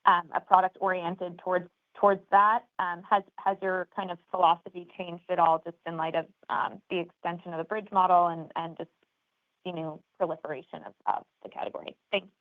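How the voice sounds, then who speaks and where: Woman, financial analyst, earnings call questions, flat intonation, tinny telephone sound. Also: fairly low pitch, brisk. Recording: thin, phone-like conference call line.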